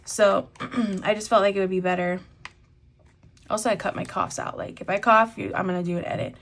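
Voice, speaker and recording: A young woman budgeting out loud in a relaxed vlog voice-over, chatty and full of fillers, a little congested from a lingering cough. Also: mid-range voice, fairly quick, a little hiss or hum. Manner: chatty, thinks aloud with many fillers. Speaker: budgeting vlogger. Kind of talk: casual voice-over while cash stuffing.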